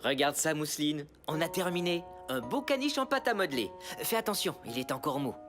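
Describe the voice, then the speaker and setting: An actor voicing a kindly parent in a children's cartoon, gentle and encouraging. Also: mid-range voice, lively intonation, fairly quick, over music, natural voice. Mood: proud. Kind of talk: cartoon dub dialogue.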